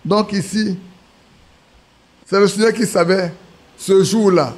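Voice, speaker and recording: Male preacher, high-pitched, sermon storyteller. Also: slow pace. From Ivory Coast. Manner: storytelling with acted quotes, restarts.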